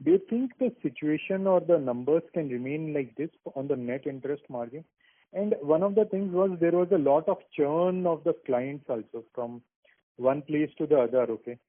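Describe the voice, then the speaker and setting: A man's voice: medium pitch, moderate pace. A man with an Indian accent, an analyst calling in to ask questions on an earnings call. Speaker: analyst caller asking questions. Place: conference call over the phone. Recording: tinny narrowband phone line.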